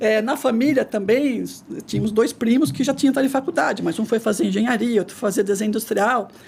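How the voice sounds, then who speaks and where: Ordinary pitch variation runs through talk delivered very fast. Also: woman, fairly high pitch for a woman. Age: 60s. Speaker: business executive. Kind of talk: interview.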